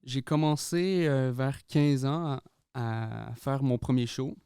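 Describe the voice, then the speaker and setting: Relaxed young Québécois man, smooth voice. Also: mid-range voice, slow pace, no echo, clean studio sound. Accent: Québécois French. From Quebec, Canada. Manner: relaxed, laughs easily, mixes in English words. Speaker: guest artist. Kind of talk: casual podcast interview.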